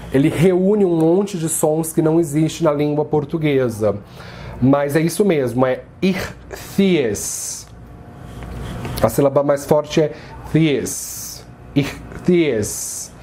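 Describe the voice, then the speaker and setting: Brazilian man as a patient teacher, slow mellow voice, careful pronunciation drills. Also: on the high side, a little hiss or hum. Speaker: astrology teacher. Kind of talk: introductory lesson.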